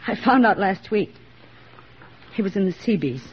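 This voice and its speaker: Grieving young nurse actress, subdued, 1940s radio with faint hiss. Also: female voice, mid-range voice, expressive, normal speed, close to an everyday voice. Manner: subdued, holding back tears. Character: grieving young wartime nurse, female, widowed. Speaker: army nurse. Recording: dull old radio recording, faint hiss.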